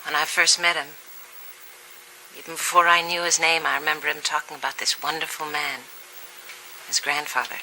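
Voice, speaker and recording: A man's voice: on the high side, flat delivery, normal speed, long pauses, pushed and bright, slight background noise, low-quality recording. A man acting a sincere, reflective figure reminiscing in an audio drama monologue. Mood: wistful.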